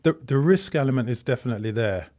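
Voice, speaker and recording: A man speaking as a podcast guest, measured and deliberate. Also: medium pitch, expressive, a little mellow. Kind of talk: conversational interview.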